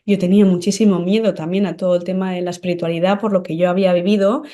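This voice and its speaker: A woman's voice: fairly low pitch, fairly even intonation, quick pace, warm tone. Earnest woman explaining spiritual ideas. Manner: earnest, explanatory, often checks with "¿no?" and "¿sí?". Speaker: medium and psychic guest. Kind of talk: conversational podcast interview.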